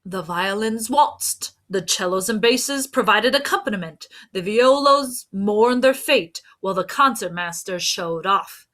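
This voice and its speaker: A woman's voice: mid-range voice, lively intonation, measured pace, few pauses, a bit bright. A woman voicing an accusing, vain male police inspector from a storybook, with emphatic, dramatic questioning. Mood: exasperated. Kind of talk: storybook character voice.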